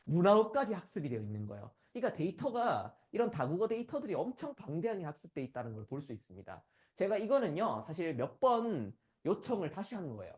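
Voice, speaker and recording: A man's voice: sits high, sing-song, fast, darkish tone. A man from the Gyeongsang region giving a conference lecture, often asking the audience for agreement as he goes. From Gyeongsang region, South Korea. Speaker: conference speaker.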